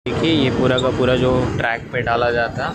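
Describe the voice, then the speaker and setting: A man's voice: steady tone, fairly quick. Young man vlogging on a noisy train. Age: young adult. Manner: chatty running commentary on the ride. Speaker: travel vlogger. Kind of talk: casual travel vlog narration. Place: inside a moving train. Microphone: phone camera held close. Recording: loud train rumble and wind on the mic.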